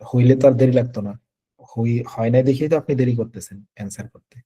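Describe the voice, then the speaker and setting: Mellow husky male coach. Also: mid-range voice, fast. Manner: patient, advising, repeats points. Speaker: English test coach. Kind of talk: online coaching Q&A. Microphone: video call.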